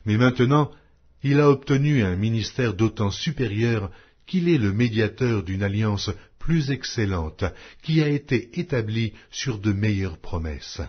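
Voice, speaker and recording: A man narrating an audio Bible in a solemn, measured, declamatory reading style. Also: lowish voice, lively intonation, slightly rough. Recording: dull lo-fi audio.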